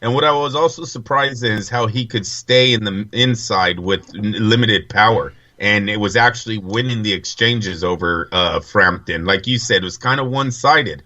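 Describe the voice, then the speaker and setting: A man's voice: fairly low pitch, normal speed, few pauses, sharp tone, muffled recording. A man co-hosting a casual podcast chat, laying out his views in a laid-back, analytical way. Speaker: podcast co-host.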